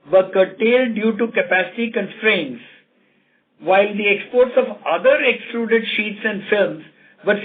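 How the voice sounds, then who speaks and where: A man with an Indian accent formally reading out financial results as a company executive, in a measured way, over a telephone conference call. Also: high voice. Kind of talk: scripted financial results presentation. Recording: tinny narrow phone line.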